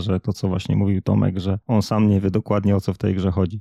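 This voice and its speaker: A man speaks at a very fast pace in a dark, mellow tone, his pitch fairly low. His intonation is monotone and flat, in a dry, close sound with no echo. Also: quiet background. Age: 30s. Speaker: games journalist. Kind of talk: casual chat.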